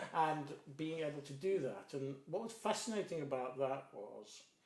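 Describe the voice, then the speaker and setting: Audible room echo surrounds speech delivered at a moderate pace with lively intonation. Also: man. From English Midlands. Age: 70s. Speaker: strengths coach and author. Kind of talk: interview conversation.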